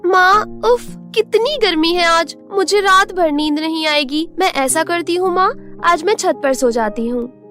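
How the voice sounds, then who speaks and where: A woman's voice: very high voice, a little slow, bright, forceful tone, faint music behind, voice pushed up, heavily acted. A woman voicing a sweet, innocent young village girl full of curious wonder in a cartoon storybook. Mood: complaining, carefree.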